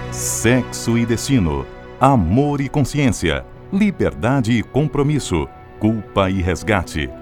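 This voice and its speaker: A male radio announcer introducing the program in a formal, measured way. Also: medium pitch, a little mellow.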